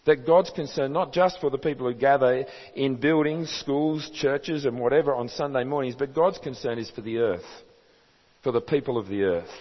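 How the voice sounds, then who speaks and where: An Australian man preaching a sermon as pastor, earnest and emphatic, asking his listeners rhetorical questions. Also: mid-range voice. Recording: reverberant hall, dull sound.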